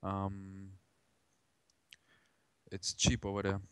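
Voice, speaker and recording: A man's voice: low-pitched, completely flat delivery, extremely slow, clear, resonant tone. Friendly man from Germany introducing himself. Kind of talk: casual spoken introduction.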